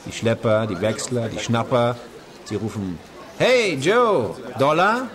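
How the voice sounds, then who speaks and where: An actor playing a worldly, theatrical screen star turned black marketeer, declamatory and sardonic, in a German radio play. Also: male voice, medium pitch, big pitch swings, slow pace. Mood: grandiose, sardonic. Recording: busy urban crowd behind the voice.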